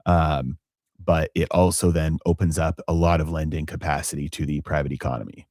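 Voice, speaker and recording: A man's voice: rumbling low, fairly even intonation, darkish tone, dry recording, clean studio sound. A man hosting a live finance stream, talking through markets with lots of fillers and restarts. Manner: halting, many fillers and restarts. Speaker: finance channel host.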